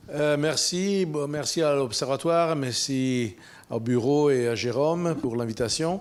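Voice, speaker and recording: A man with an Italian accent speaks at a very slow pace, his fairly high pitch showing ordinary pitch variation. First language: Italian (speaking French). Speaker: professor. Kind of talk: conference talk. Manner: halting, many repetitions.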